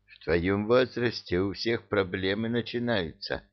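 Small naive house spirit, timid and quiet, voiced by a male reader, slow, muffled recording. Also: on the low side, natural voice. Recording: dull lo-fi recording.

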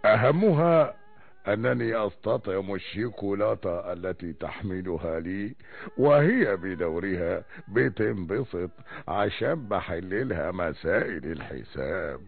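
An actor playing a gentle, wise elderly scientist who speaks in a calm, courteous, formal way, in old radio acting. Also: male voice, deep voice, measured pace, vocal fry, exaggerated voice. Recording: tinny lo-fi archival radio.

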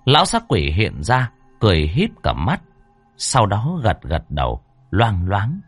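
A man narrating a horror story with lively, dramatic delivery. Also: lowish voice, measured pace, slightly rough, no echo, faint music behind.

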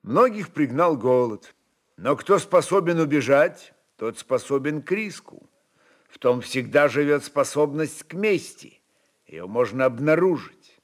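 A man narrating historical fiction in a measured, expressive, deliberate way. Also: fairly high pitch. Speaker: narrator reading a literary work. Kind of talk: dramatic literary narration of a historical novel.

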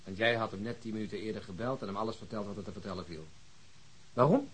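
An actor playing a blunt, probing police colleague in a Dutch radio drama. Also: male voice, lowish voice, quick pace, a little hiss or hum, close to an everyday voice, poor audio. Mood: challenging.

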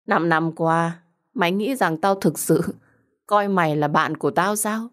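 A woman's voice: on the low side, unhurried, close to an everyday voice. A woman voicing a cruel, treacherous young woman in an audio story, with a mocking, condescending and sarcastic manner. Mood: smug, mocking.

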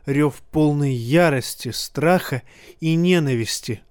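A man reading a fantasy novel aloud in a steady, measured audiobook narration. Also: on the high side, smooth, dry recording, clean studio sound.

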